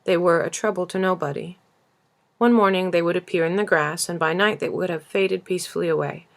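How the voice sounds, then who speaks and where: A woman reading a literary story aloud as an audiobook narrator, in a gentle, measured and expressive manner. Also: on the low side, gravelly. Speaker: audiobook reader.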